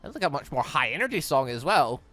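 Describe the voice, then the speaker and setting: A man's voice: medium pitch, big pitch swings, quick pace, a bit bright. A man giving casual, reactive let's play commentary on a visual novel, exclaiming and reading game dialogue aloud. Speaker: video game let's player. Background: game music.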